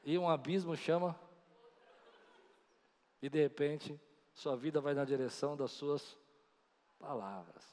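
Slightly high and a little slow, with a dark tone and frequent pauses, a man delivers a sermon as pastor. He tells stories with animation, voicing the other characters, and the long reverb of a big hall surrounds him.

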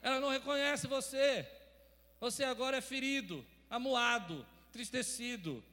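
A man preaching a sermon to his congregation, asking them for responses, going from quiet talk to loud shouts. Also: very high-pitched, normal speed. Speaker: pastor. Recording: reverberant church hall.

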